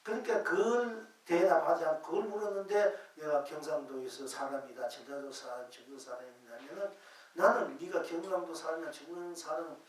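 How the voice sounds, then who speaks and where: A man gives a Buddhist dharma talk to a congregation. His voice sits a little high, and he explains slowly and repeats each point. He sounds distant from the mic, and his words ring through a very echoey hall. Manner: slow, repetitive explaining that addresses the congregation. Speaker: Zen master giving a dharma talk. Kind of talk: Buddhist sermon.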